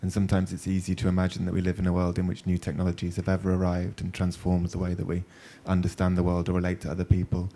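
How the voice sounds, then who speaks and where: A low-voiced man hosts a panel talk. His tone is dark and mellow, and he tells thoughtful stories in loose, rambling phrases. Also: completely flat delivery, quick pace, few pauses. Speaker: panel moderator. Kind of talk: panel discussion. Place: panel event.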